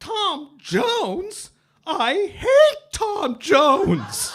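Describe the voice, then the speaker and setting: This is a put-on character voice, loud and extremely high-pitched. It moves at a very slow pace with very wide pitch swings. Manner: loud, outspoken.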